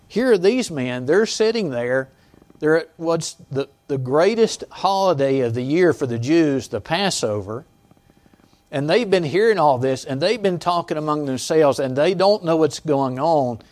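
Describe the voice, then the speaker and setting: Halting conversational male pastor preaching. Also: on the high side, expressive, a little mellow. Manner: conversational, halting with restarts and asides to the congregation; chuckles between points. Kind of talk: sermon. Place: church sanctuary.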